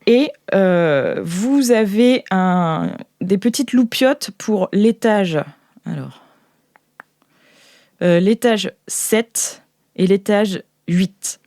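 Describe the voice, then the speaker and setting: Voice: mid-range voice, extremely slow, darkish tone, no room sound. Hesitant game master in a very dry recording. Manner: hesitant, searching for words. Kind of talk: improvised tabletop role-play narration, casual chat.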